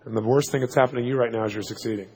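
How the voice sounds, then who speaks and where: A man telling a story to a live audience as a motivational speaker, fast and punchy, checking in with "right?" asides. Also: medium pitch, steady tone, darkish tone, breathy edge. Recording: long hall reverb.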